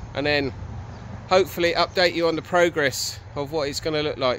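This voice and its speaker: A man speaks at a fairly quick pace with a bright, sharp tone and ordinary pitch variation, the sound dry with no echo over light background noise. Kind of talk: casual vlog chat. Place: garden. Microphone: phone near.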